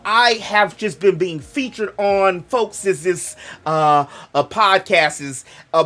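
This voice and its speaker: A young man with an African American English accent hosts a gaming channel, rambling casually in a loose, joking, digressive monologue that keeps interrupting itself. His voice is on the high side and a bit bright.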